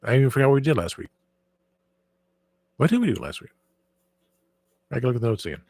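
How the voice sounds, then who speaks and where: A man's voice: medium pitch, very animated, fast talker, a little mellow. A man hosting his own channel in casual, rambling chat, often restarting sentences and trailing off into asides. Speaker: channel host.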